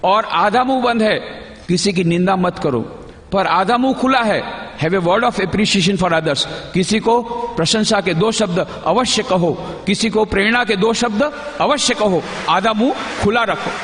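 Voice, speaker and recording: High-voiced monk teaching in an echoing hall. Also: male voice, measured pace, fairly bright tone. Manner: teacherly, asks the audience questions; repeats key phrases for emphasis. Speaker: monk giving a talk. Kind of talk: talk to a youth gathering. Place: large hall at a convention. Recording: echoey hall with long reverb.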